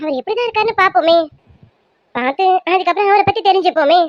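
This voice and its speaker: A woman does a squeaky, put-on character voice at an extremely high pitch, speaking at a fairly quick pace. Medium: cartoon. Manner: reasonable, gentle.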